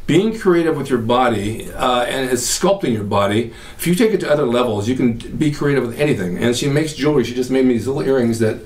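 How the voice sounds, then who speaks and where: A man's voice: mid-range voice, expressive. An older man from California hosting his own podcast, telling rambling stories in casual chat. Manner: rambling storyteller, quick and chatty. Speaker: podcast host. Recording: roomy echo, mic at a distance.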